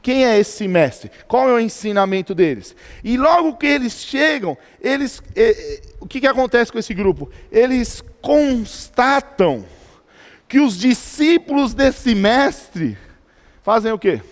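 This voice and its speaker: A Brazilian pastor preaches in a church hall, his unusually high voice trailing off into a long reverb. He teaches by posing questions and answering them himself, with many fillers and restarts. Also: very animated, a little slow. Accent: Brazilian Portuguese. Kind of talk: sermon.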